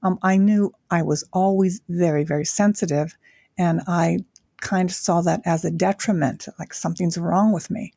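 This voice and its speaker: Low gravelly older woman, reflective. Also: fairly even intonation, warm tone, no echo, studio quality. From Japan. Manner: reflective, with frequent pauses and fillers. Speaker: guest. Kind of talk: casual interview chat.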